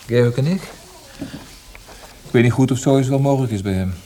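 A man's voice: medium pitch, normal speed, mellow, slight background noise, lightly acted. An actor playing a disillusioned, reflective male poet with a dry irony, in naturalistic radio play dialogue. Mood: guarded, thoughtful. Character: disillusioned Austrian poet, thoughtful and wry husband.

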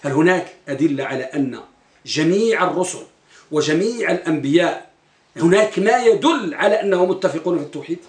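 A man's voice: fairly high pitch, expressive, a little fast, reverberant. A man teaching an Islamic lesson, reciting Quran verses and quizzing his listeners with questions. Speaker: religious teacher.

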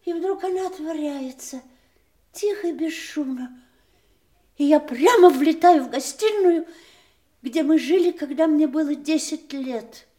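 Radio drama role: polite, troubled woman, high voice, expressive deliberate storyteller. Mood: shaken. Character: troubled, polite woman recounting a frightening dream. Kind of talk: audio stage drama, theatrical monologue.

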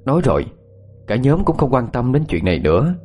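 A man narrating a ghost story in a measured tone. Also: mid-range voice, big pitch swings, a little mellow, faint music behind.

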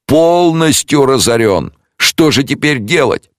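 A man's voice: medium pitch, very animated, normal speed, fairly bright tone, no echo, studio quality, voice pushed up. A man voicing a panicky middle-aged jeweler who pleads and wails near tears. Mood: distraught.

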